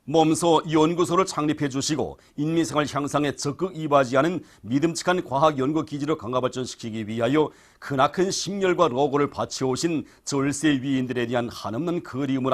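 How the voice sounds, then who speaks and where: Formal North Korean male news announcer. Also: medium pitch. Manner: formal, solemn broadcast delivery. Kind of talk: scripted state news bulletin.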